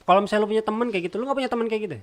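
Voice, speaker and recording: A man's voice: high voice, very fast, crowd noise. A man hosting a casual podcast, asking prodding questions. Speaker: podcast host.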